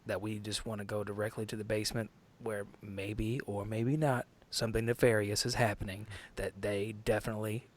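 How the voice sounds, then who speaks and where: A man playing a tabletop game, talking casually and hesitantly, often hedging and dropping to hushed tones in character. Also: fairly low pitch, flat delivery, brisk, hardly any pauses. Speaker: player.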